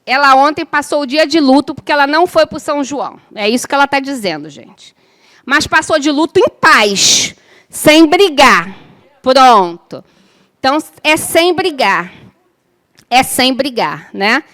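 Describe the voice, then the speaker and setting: Woman, middle-aged, high voice, spiritist course teacher, chatty lecture style, joking asides, frequent tag questions. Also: animated, moderate pace, fairly bright tone. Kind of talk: informal lecture to a class.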